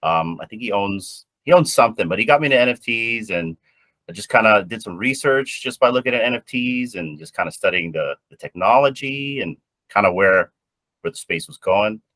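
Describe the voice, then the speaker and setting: Low-voiced man, nervous and stammering. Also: lively intonation, brisk, fairly bright tone, no echo, rough recording. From Hawaii. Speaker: guest panelist. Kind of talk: casual chat.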